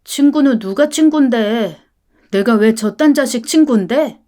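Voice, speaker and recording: A woman's voice: fairly high pitch, expressive, measured pace, a little mellow. A woman voicing a stubborn, resentful young schoolboy in a story. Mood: defiant. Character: sulky defiant schoolboy, about ten.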